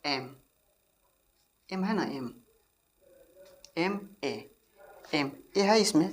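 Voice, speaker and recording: A woman's voice: low-pitched, lively intonation, very slow. A woman teacher gives a grammar lesson, repeating herself and asking the viewer questions. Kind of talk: classroom-style grammar lesson.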